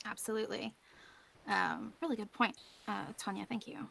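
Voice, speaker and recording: A woman's voice: mid-range voice, fairly even intonation, normal speed, vocal fry, a bit bright, a little hiss or hum. A woman giving an informal conference presentation as a panelist, explaining things in a conversational way.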